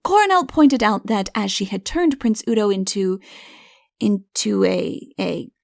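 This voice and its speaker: Creaky-voiced woman narrating a story. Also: mid-range voice, animated, unhurried, a little mellow, no echo, clean studio sound. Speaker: audiobook narrator. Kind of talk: scripted comic fairy tale narration.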